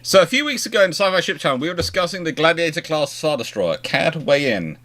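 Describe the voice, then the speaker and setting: A man's voice: on the high side, very animated, quick pace, a crowd in the background. A man hosting a casual question-and-answer chat, thinking aloud in a conversational, wry way. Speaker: host of naval history question show.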